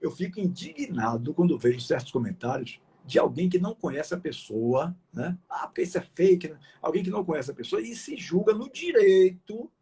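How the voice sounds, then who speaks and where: A man's voice: high-pitched, very animated, moderate pace, few pauses, mellow, slightly rough. A middle-aged man hosting a casual live interview, rambling with fillers and restarts and turning indignant at times. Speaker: host of a live sports interview.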